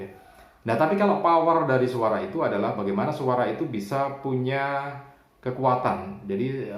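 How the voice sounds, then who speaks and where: A man giving a chatty public speaking lesson to camera, with frequent tag fillers. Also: medium pitch. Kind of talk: spoken voice tutorial to camera. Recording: roomy echo.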